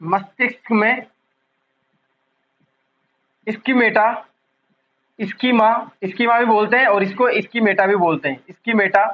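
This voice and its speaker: In this online exam-prep session, a male psychology teacher speaks in a voice that sits high, with the highs cut off in the recording. He keeps repeating key terms, quizzes students often, and drags out the important words.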